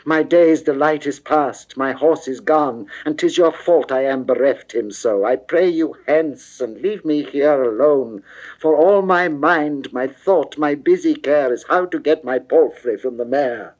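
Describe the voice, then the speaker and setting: A man playing an indignant, petulant youth, pitched up. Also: measured pace, a little mellow, rough recording. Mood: petulant indignation. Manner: indignant, raised, impatient verse delivery. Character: petulant young man spurning a woman's love. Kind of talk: mid-20th-century classical dramatic verse reading.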